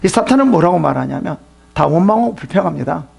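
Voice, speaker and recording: A man's voice: a little high, expressive, quick pace, vocal fry, a little mellow, husky. A middle-aged male pastor who preaches a sermon emphatically and uses rhetorical questions.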